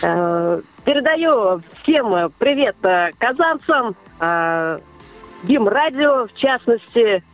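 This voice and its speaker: A woman calling in to a radio show, speaking haltingly over a metallic, robotic-sounding phone line. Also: on the high side, very animated, soft background music. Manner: halting, with hesitant pauses. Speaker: radio caller. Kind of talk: casual call-in greeting. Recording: muffled distant phone call.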